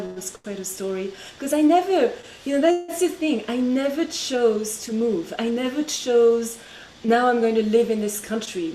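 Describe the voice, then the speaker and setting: A woman's voice: medium pitch, dark tone, slight background noise. Middle-aged French-accented woman, chatty guest on a video call, laughs easily, echoey room. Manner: chatty, laughs between phrases. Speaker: interview guest. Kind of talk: casual video-call interview.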